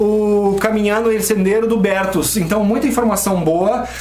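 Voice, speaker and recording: There is audible room echo and noticeable background noise as a man speaks at a moderate pace in a high pitch. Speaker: ufology channel host. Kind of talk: solo video monologue.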